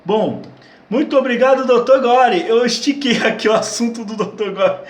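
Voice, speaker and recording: A man from Brazil chats loosely through viewer questions. He restarts his sentences often and repeats words as he goes. His voice sits fairly high, and the room around him rings with echo. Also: moderate pace. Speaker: channel host answering viewer questions. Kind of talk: casual Q&A chat. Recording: echoey room.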